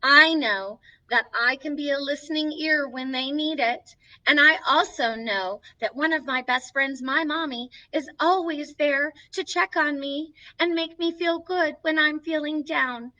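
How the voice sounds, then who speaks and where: A woman's voice: high voice, a little slow, pushed and bright. A woman playing Snow White as a sweet, encouraging young princess, hosting a children's story time with sing-song, reassuring delivery, recorded from a distance with slightly dull sound. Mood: warm, encouraging. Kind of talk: children's storytelling, reading a picture book aloud.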